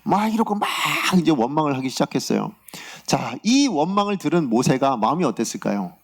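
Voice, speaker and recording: A man's voice: fairly high pitch, sing-song, brisk, gravelly, darkish tone. A man preaching a Sunday sermon as pastor, in a conversational way, often asking the congregation rhetorical questions.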